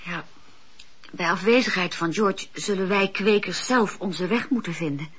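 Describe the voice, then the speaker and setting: An actress playing a sensible, doubtful woman in a Dutch radio drama, with a husky voice. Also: fairly low pitch, unhurried. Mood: resigned. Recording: dull lo-fi radio play recording.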